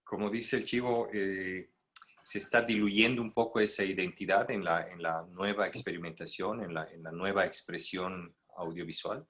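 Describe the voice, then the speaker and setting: A man's voice: low-pitched, fairly even intonation, normal speed, fairly bright tone. A man moderating a panel discussion, putting questions to the guests with rising emphasis.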